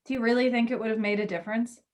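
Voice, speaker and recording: A woman's voice: on the high side, steady tone, racing, lightly acted. A woman acting the part of a frank, loyal, somewhat jaded magazine editor confiding in a friend in a staged play reading. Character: candid, loyal female magazine editor, jaded about love.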